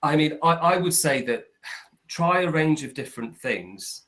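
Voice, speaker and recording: A man's voice: a little high, animated, measured pace, fairly bright tone. A man, tutoring a student in casual conversation over a video call, repeating points for emphasis. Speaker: English tutor.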